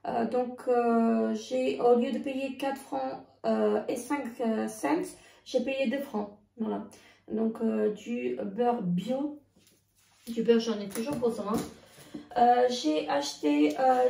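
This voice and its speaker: Woman, gravelly, mellow, halting with fillers, slightly high voice. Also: far from the mic. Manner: hesitant, many filler sounds, halting restarts. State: losing her voice. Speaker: vlogger. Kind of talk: casual grocery haul vlog. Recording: echoey room, voice off-mic.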